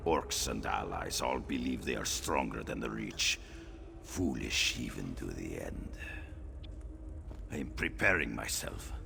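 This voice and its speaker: An actor playing a proud, menacing tribal warrior in a video game, theatrical and sneering, with a deep gravelly voice. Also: male voice, noisy background, exaggerated voice. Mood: contemptuous. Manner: theatrical, slow, sneering threats. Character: fanatical male Winterborn tribal warrior, menacing, proud, contemptuous. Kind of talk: video game character acting. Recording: music behind the voice.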